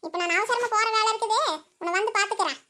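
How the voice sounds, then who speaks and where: Squeaky old mother-in-law voiced by a woman, bossy, snaps back at everything, cartoon. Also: pushed and bright. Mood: scolding. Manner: teasing and scolding, quick retorts. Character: sharp-tongued old village mother-in-law, scolding. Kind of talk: cartoon voice acting.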